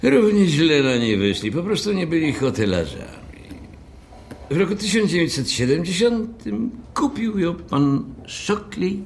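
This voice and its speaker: A haughty, pedantic hotel manager in a dramatised audiobook. His delivery is formal and fussy, with lively swings of pitch and some creak in the voice. Faint background noise sits underneath. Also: heavily acted. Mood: proud, formal. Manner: formal, fussy, long-winded.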